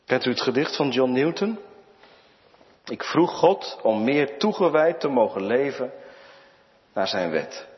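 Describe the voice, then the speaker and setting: A man preaching a sermon, slow and dramatic, with long pauses and sudden drops to near whispers. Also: mid-range voice, big pitch swings. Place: church. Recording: muffled church recording with long reverb.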